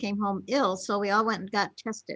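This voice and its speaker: Against a quiet background, the voice carries a bright, sharp tone with an American accent. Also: woman. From US Midwest, Michigan. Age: 80s+. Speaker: nutrition product seller. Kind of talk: interview.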